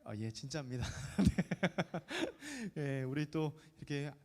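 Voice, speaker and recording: In a church sanctuary full of long reverb, a man in his thirties with a slightly high voice gives a lively sermon to a middle-school youth group. He's chatty and joking, constantly throwing questions at the teens, and he takes it slowly with huge swings in pitch.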